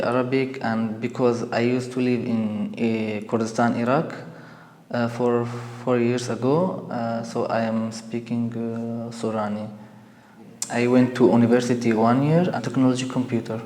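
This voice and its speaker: Halting young man, roomy echo. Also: medium pitch, little pitch movement, a little mellow. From Syria. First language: Kurmanji. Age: 20s. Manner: halting non-native English with frequent pauses and restarts. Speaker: interviewee. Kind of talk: personal testimony interview. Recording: roomy with long reverb.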